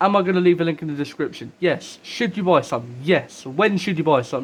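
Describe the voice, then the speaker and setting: Speaking in a British accent, a man has a high pitch. His tone is animated and his pace fairly quick. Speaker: audio gear reviewer. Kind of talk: product review.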